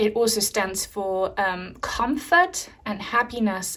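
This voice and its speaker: Against a silent background on a very clean recording, a woman speaks at a very slow pace. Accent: German. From Germany. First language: German. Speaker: tarot reader. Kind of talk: pick-a-card tarot reading. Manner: calm, guiding.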